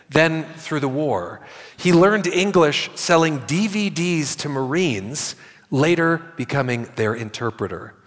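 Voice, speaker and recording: A man hosting a live radio holiday show, reading a measured scripted introduction of the next performer. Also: medium pitch, a bit bright. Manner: measured, announcer-like. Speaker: radio host. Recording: long reverb of a hall.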